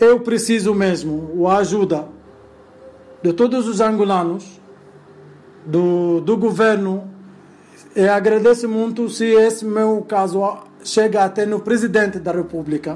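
Speaking at a fairly slow pace with long, frequent pauses, a man uses a high pitch and fairly even intonation. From Lebanon. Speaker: businessman. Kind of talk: testimony. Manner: halting.

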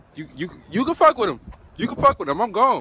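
A man's raised, projected voice, dry with no echo, over light background noise. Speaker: comedy sketch creator. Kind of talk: comedic skit dialogue. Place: street. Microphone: phone near.

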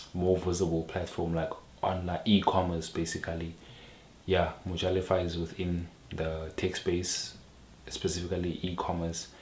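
A man speaks at a fairly slow pace with a very deep, low pitch, a dark, mellow tone and a somewhat breathy quality, his monotone, flat delivery carrying audible room echo. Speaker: vlogger introducing an interview. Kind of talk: casual vlog chat. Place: home room. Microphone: phone near.

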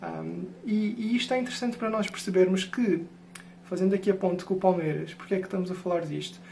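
A man speaks at a high pitch. There is light background noise. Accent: European Portuguese. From Portugal. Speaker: football fan. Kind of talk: recorded video contribution. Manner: halting. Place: home room. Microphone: webcam.

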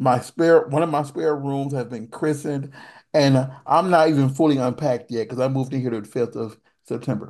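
In an American accent, a man talks at a fairly quick pace with fairly even intonation against a quiet background. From US Midwest. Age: 40s. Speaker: podcast host. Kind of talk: casual chat. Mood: relaxed, chatty. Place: home room. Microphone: video call.

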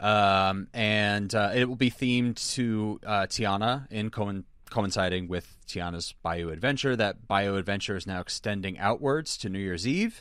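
A man with a plain, everyday voice speaks at a fairly low pitch and a moderate pace, hardly pausing, with ordinary pitch variation. The sound is dry with no echo against a quiet background. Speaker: fill-in podcast co-host. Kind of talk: casual chat. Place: home room. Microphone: studio mic.

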